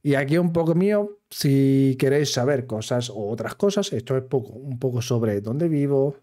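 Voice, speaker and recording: A man from Switzerland with a Swiss accent, talking casually to camera as a gaming video creator, in careful, halting Spanish that is not his everyday language. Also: mid-range voice, expressive, warm tone. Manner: careful, halting Spanish of a non-native speaker.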